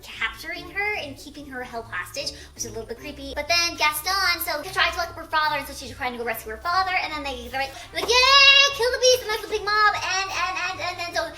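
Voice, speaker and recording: A young woman with a squeaky helium voice, giggly and rambling as she playfully retells stories in a challenge vlog. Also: animated, fast talker, few pauses, pushed and bright, echoey room, soft background music. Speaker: video creator.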